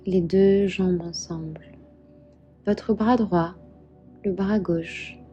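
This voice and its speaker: Female yoga guide, deeply mellow and unhurried, calm meditation delivery, music underneath. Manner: calm, soothing, measured instruction. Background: soft background music.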